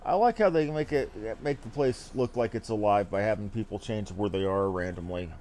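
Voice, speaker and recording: A man's voice: fairly low pitch, fairly quick, darkish tone. A man giving casual gameplay commentary as a streamer, musing aloud with playful asides. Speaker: game streamer.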